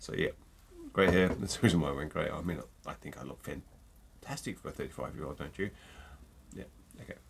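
A man with a very deep, low voice and vocal fry talks at a very fast pace with lively intonation, big swings in loudness, and long, frequent pauses. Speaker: drinks reviewer. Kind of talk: casual product review to camera. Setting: home recording with microphone. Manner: hesitant with many fillers.

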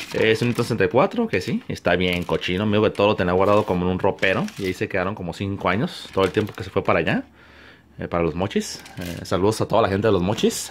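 Against light background noise, a man with a Mexican accent talks at a very fast pace, his fairly low pitch kept to fairly even intonation. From Mexico. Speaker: YouTuber and video game collector; YouTuber. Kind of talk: casual vlog monologue. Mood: joking, playful. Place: home room. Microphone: phone near.

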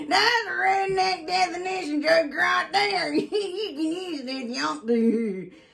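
A woman's high-pitched, cartoonish character voice, fairly slow in pace and with hardly any pauses. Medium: puppet. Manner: snarky, grumpy.

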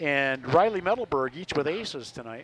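A man's fairly slow delivery with very wide pitch swings over faint background music. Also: dry sound with no echo. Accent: Upper Midwest. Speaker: sports play-by-play commentator. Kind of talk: live sports commentary. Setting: gymnasium, live broadcast. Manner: upbeat, friendly. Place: hall.

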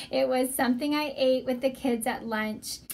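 A woman's high voice at a fairly slow pace, with ordinary pitch variation. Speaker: mother vlogger. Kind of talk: casual vlog chat. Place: home room. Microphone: phone near.

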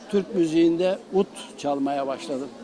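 At a fairly slow pace, a man with a high pitch and ordinary pitch variation speaks over noticeable background noise. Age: 80s+. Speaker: choir conductor. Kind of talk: interview.

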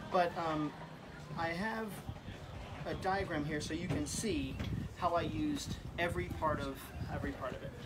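A man with an American accent speaks with long, frequent pauses over loud background noise. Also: moderate pace. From Nashville, Tennessee. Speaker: competing bartender. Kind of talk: competition presentation. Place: bar. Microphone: camera far.

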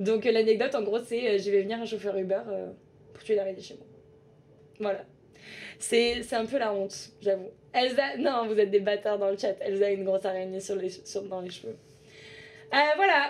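With big swings in loudness, a woman speaks at a moderate pace and medium pitch, using ordinary pitch variation and long, frequent pauses. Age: 20s. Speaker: streamer. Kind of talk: live stream chat. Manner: animated. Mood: playful, a bit shy. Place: home room. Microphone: studio mic.

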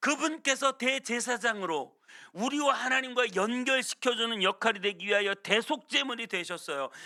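Speaking at a fairly slow pace, a man uses a raised, projected voice with a bright, sharp tone. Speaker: pastor. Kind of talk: sermon. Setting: church.

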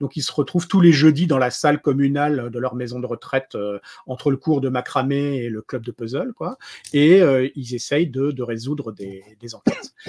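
Against a quiet background, a somewhat breathy man speaks at a moderate pace with ordinary pitch variation and big swings in loudness. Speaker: tabletop RPG streamer. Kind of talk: casual live-stream chat. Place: home room. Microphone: headset.

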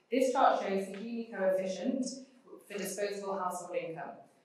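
Strong room echo surrounds a woman's voice. She talks at a fairly quick pace with ordinary pitch variation. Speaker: policy researcher. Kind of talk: presentation. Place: hall.

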